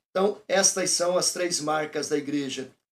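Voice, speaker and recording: A man speaks at a fairly slow pace. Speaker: pastor teaching theology class. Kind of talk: lecture.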